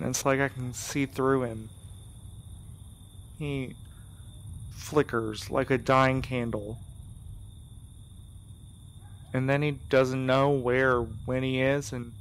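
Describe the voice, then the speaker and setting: A man acting in a fiction podcast as an earnest, gentle, anxious young courier, speaking sincerely and a little hesitantly. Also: medium pitch. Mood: worried.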